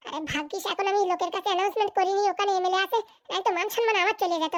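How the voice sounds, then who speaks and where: A shrill, bossy Bengali village schemer. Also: female voice, rapid-fire, fairly bright tone, no echo. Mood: furious, threatening. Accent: rural Bengali. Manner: scolding, threatening, blustering. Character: bossy, foul-tempered, scheming village woman with political ambitions. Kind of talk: comic cartoon voice acting, colloquial dialect.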